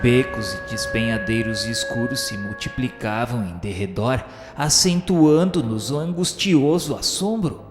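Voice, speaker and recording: A man playing an earnest spirit pupil in a radio drama, narrating a dark journey in solemn, formal, deliberate phrases. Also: mid-range voice, natural voice. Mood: grave, awed. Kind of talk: radio drama, literary first-person narration. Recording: echoey long reverb with music behind.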